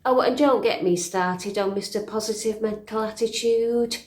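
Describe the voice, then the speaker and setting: A woman's voice: a little high, moderate pace, a little mellow, roomy sound, lightly acted. A woman playing a middle-aged, weary Snow White in a dry, understated, confiding dramatic monologue. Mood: wry, confiding.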